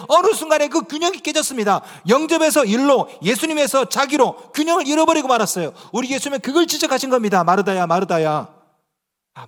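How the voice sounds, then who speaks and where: The sound is that of a big room as a very high-pitched male pastor preaches a sermon. He puts questions to the congregation, sometimes loud and emphatic, sometimes barely above a whisper.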